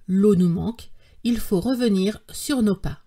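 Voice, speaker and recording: A woman's voice: mid-range voice, measured pace, warm tone. A woman voicing a desperate, exhausted young man in an audiobook, pleading urgently with a raised voice. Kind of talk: audiobook character reading.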